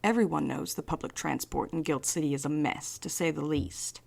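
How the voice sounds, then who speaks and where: A woman acting as a wry night courier in an audio drama. Her voice sits low with a gravelly fry, and she delivers everything drily, with a defiant streak. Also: normal speed, a little mellow, exaggerated voice. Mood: measured, uneasy.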